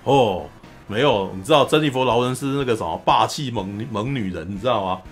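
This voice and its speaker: A man hosting a podcast, recapping a film in a lively, casual storytelling way. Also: mid-range voice, fairly quick, faint music behind. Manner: animated storyteller, often acts out quotes. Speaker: podcast host.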